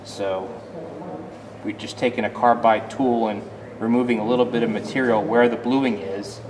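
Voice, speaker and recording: This American man has a lowish voice with fairly even intonation at normal speed, heard with a long reverb tail over a noisy background. Hosting a casual vlog tour of a machine shop at an outdoor engine show, he's easygoing and stumbles, repeating words while he explains.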